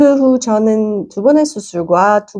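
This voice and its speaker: Her tone is dark and mellow. This woman's pitch sits fairly high. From Bulgaria. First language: Bulgarian (speaking Korean). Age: 30s. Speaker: YouTuber. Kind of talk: contest speech. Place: home room. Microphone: lapel.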